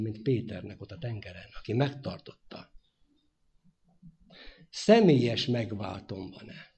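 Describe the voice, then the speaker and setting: A man preaching a sermon, his delivery swinging from loud emphatic phrases to hushed endings. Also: medium pitch, slightly rough. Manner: dynamic preaching, rising loud then dropping to hushed.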